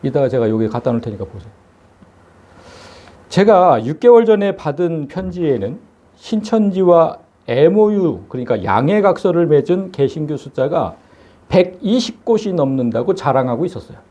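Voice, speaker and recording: A man's voice: on the high side, very animated, normal speed, warm tone. A man preaching a sermon as pastor, emphatic and full of rhetorical questions.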